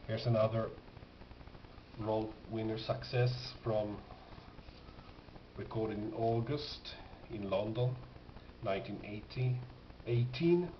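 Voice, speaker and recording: A man talking casually and haltingly as he presents his collection, in an unscripted show-and-tell. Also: fairly low pitch. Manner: halting, pausing, thoughtful delivery. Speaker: record collector presenting finds. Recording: dull, noisy, echoey home recording.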